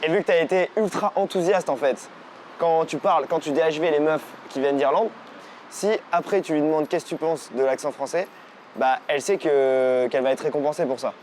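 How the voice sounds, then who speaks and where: A man working as a dating coach, giving energetic, slangy coaching commentary out on a city street. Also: on the high side, brisk, a little hiss or hum. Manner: energetic, casual slangy talk.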